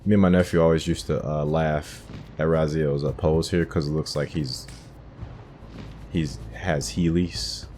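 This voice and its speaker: A man's voice: very deep voice, fairly even intonation, a little slow, darkish tone, a little hiss or hum. A man giving casual gameplay commentary, thinking aloud as he plays. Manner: thinks aloud, musing to himself. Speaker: gaming host narrating a playthrough.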